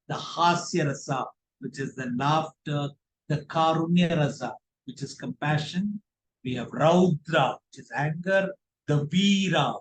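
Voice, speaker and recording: A man with an Indian accent teaching a public speaking workshop in a deliberate, instructive and emphatic way. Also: fairly high pitch. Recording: roomy, echoing voice pickup.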